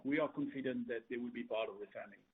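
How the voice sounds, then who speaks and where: A man speaking as a company executive answering questions on an earnings call, often pausing and repeating his words as he rephrases. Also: medium pitch. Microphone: conference call line. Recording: tinny, narrow phone conference line.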